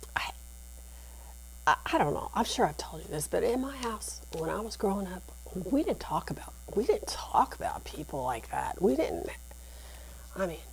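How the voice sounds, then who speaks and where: A woman talks quietly at a moderate pace. Her speech has long, frequent pauses. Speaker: tarot reader. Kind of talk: casual monologue. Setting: at home.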